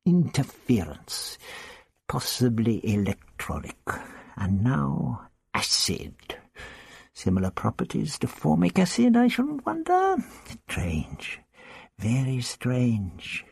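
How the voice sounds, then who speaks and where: A man voicing a crotchety, lofty elderly time traveller, with a husky voice in a dismissive, lecturing manner. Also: medium pitch, wildly swooping pitch, slow, darkish tone, no room sound, heavily acted. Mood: testy.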